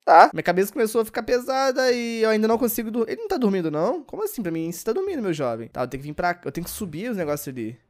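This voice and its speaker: Fast-talking, excitable Brazilian gamer man. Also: high-pitched, faint music behind. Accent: Brazilian Portuguese. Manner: excitable, yelps and shouts at the game. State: sleepy and exhausted. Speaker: gaming YouTuber. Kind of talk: let's-play commentary.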